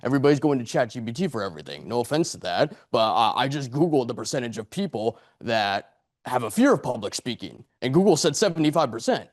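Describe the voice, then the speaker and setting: A man's voice: medium pitch, sing-song, quick pace, no room sound, clean studio sound. A man in his late twenties giving a motivational speech to a live audience, earnest and rambling, leaning on repetition and rhetorical questions. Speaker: public speaker at a speakers club. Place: meeting room before an audience.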